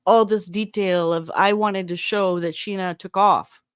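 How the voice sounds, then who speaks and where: A woman's voice: mid-range voice, steady tone, a little slow, clean tone, no echo, studio quality. A woman hosting a podcast with casual, chatty, wry commentary on recorded phone calls. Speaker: podcast host.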